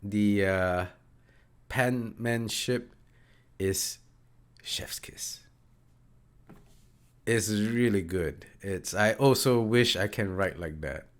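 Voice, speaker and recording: A man's voice: lowish voice, drawn-out words, long pauses. A man with a cold, sounding a little nasal, chatting enthusiastically about a story as a podcast co-host, with lots of fillers. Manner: enthusiastic, hesitant with many fillers. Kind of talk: casual book discussion.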